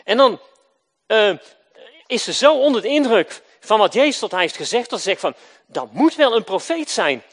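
A man preaches with big pitch swings at a moderate pace, moving between emphatic, loud statements and soft, low endings. He keeps putting questions to his listeners and answering them himself.

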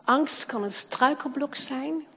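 A woman preaching a sermon, passionate and emphatic, swinging from loud declarations down to soft, low asides. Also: slow, big-room sound.

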